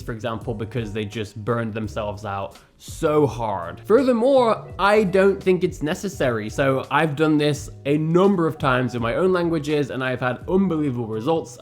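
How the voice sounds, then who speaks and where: An earnest man in his thirties speaks straight to the camera from his bedroom, animated and expressive as he gestures with both hands. His voice sits at an ordinary middle pitch for a man. Soft music plays faintly underneath him. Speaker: language learning YouTuber. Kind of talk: casual advice monologue to camera. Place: bedroom at home, indoors.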